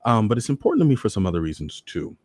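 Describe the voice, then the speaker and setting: A man's voice: on the low side, huge pitch swings, racing, darkish tone, dry recording. An American man hosting a live online show, chatting casually to his viewers and repeating phrases for emphasis. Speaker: host of a live online story-reading show. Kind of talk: casual livestream chat to viewers.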